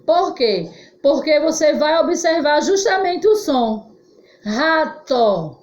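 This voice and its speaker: A Brazilian-accented woman teacher leads a children's phonics drill at an unhurried pace, stretching each syllable and waiting for the class to echo it. Her voice sits high. The recording sounds dull and lo-fi. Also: animated, a little mellow. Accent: Brazilian Portuguese. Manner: slow, drawn-out syllables, call-and-response drilling.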